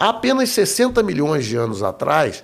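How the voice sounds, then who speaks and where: A man with vocal fry, very wide pitch swings and a moderate pace. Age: 60s. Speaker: amateur astronomer and electrical engineer. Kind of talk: casual interview. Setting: studio, live broadcast.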